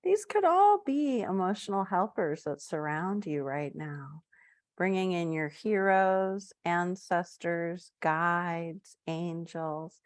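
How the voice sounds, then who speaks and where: A woman leading a live-streamed guided meditation, talking softly and gently with drawn-out phrases. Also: lowish voice, lively intonation, no room sound, studio quality. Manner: soft, slow guiding with drawn-out phrases and fillers.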